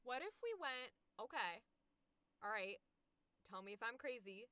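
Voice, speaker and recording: Bright, clear-voiced woman chatting on stream. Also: on the high side, expressive, measured pace, no echo. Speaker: voice actress hosting a livestream. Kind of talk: casual collaborative livestream chat.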